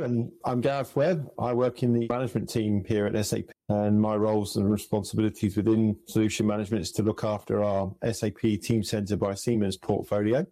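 Low, flat-voiced man, dry sound. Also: no echo. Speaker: guest, solution manager. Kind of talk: podcast interview answers.

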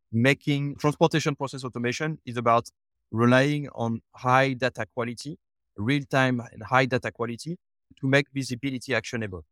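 Man pitching a startup product. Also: fairly bright tone, no echo, clean studio sound. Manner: pitching a product, slightly halting. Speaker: startup guest. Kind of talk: business interview talk.

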